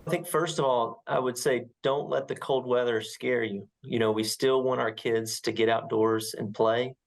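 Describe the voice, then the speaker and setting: A man's voice: mid-range voice, steady tone, moderate pace, vocal fry, rough recording. An American man, a doctor, giving an unscripted interview answer in a conversational, reassuring way. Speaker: sports medicine doctor. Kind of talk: interview soundbite, unscripted explanation.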